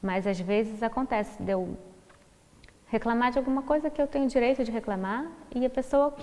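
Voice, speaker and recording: In a Brazilian accent, a woman speaks with lively intonation and a fairly high pitch. Her pace is moderate. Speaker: writer and researcher. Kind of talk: interview.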